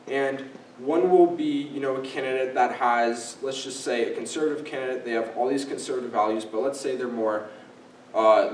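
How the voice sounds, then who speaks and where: A man's voice: medium pitch, darkish tone. A young man in his late teens giving a casual, explanatory talk as a guest speaker, using fillers and signposting his points. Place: library event room. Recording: echoey room, distant mic, faint noise.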